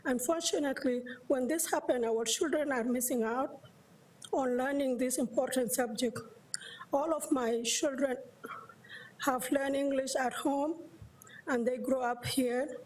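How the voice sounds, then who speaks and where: A woman from South Sudan, a mother of four, reading a prepared letter aloud during public comment, haltingly and with restarts. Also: high-pitched, fairly even intonation, darkish tone, rough recording. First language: a South Sudanese language. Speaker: parent speaking at public comment.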